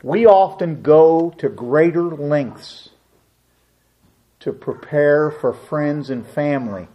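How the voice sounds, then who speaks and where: Middle-aged male pastor, high-pitched, slow unhurried delivery, muffled recording. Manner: storytelling, animated, acts out family voices. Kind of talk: sermon.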